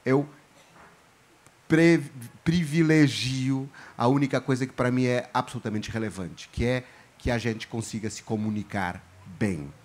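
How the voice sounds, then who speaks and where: Man, Portuguese accent leaning Brazilian, author on a panel, thoughtful, halting, mid-pitched. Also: darkish tone. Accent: Portuguese, softened toward Brazilian. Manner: reflective, halting, many restarts. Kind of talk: panel discussion.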